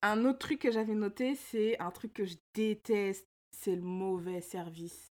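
A woman co-hosting a casual chat, telling animated stories and slipping English phrases in. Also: medium pitch, measured pace. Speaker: podcast co-host.

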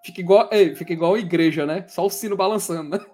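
A man's voice: sits high, fast, darkish tone, a little hiss or hum. A man co-hosting a casual chat, tired and joking in teasing banter. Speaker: podcast co-host.

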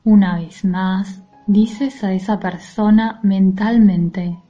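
A woman leading a guided mindfulness meditation in a soothing, gentle, soft-spoken manner. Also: medium pitch, fairly even intonation, takes it slowly, lo-fi sound. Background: music.

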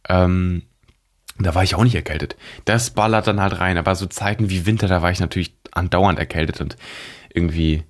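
A young man with a low-pitched voice and a congested nose talks alone as a podcast host. He rambles from thought to thought in loose, informal speech sprinkled with slang. His nose sounds stuffed up as he chats. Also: fairly quick. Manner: informal German youth slang with English words. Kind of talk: rambling solo podcast chat.

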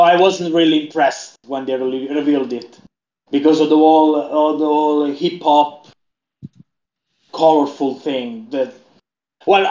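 A man with a slightly raised voice, chatting loosely and often restarting his sentences. His voice carries a clear echo from the room, and the audio sounds dull and lo-fi. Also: a little high, darkish tone. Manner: rambling, with frequent restarts. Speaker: podcast co-host. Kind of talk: casual gaming chat.

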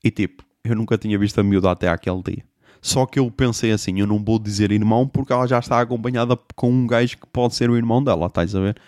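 A young man telling a comic story, animated, swearing and making sound effects. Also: on the low side, quick pace, dry recording, clean studio sound. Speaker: podcast host.

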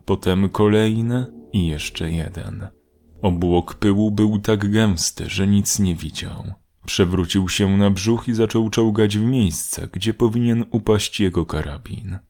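A man narrating a war story as an audiobook in a steady, measured way. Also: lowish voice. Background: faint music.

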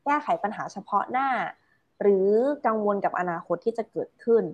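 A woman talks through an idea in a relaxed conversational way. Her voice sits at a middle pitch. She pauses with fillers and drops in English words. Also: dull audio. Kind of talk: casual explanatory chat.

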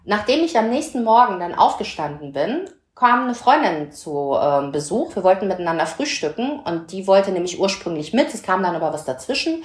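Animated woman telling a story in a roomy room. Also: mid-range voice, a little fast, few pauses. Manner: animated storyteller acting out dialogue. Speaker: podcast guest telling a story. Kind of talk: casual podcast chat.

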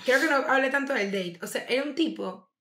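A young woman chats and gossips freely, laughing often as she talks. Her voice sits fairly high. The room around her rings with echo. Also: expressive, fairly quick, sharp tone. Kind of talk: casual chat. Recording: roomy echo.

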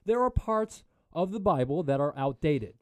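A man's voice: fairly high pitch, animated, moderate pace, no room sound. A young man hosting a podcast in a small studio, chatty and agreeable, laughing often. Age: young adult. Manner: affirming, chatty, giggly. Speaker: podcast host. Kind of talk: casual interview chat. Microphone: studio microphone.

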